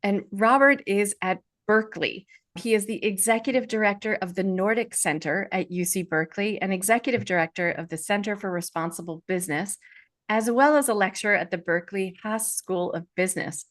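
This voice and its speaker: Talking a little fast, a woman with a bright, medium-pitched voice hosts an interview podcast. She sounds upbeat and eager as she goes through the guest's bio and puts her questions to them.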